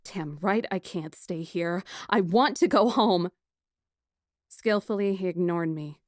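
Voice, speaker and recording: A woman reading first-person fiction as an audiobook narrator, with a dramatic, expressive delivery. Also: on the low side, takes it slowly, no echo, studio quality.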